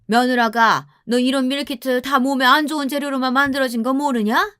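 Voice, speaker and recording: Woman doing a high, shrill older mother-in-law for a radio story, nagging, self-pitying, crisp dry read. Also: steady tone, brisk, a bit bright, no room sound. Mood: scolding. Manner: scolding, whiny and self-pitying.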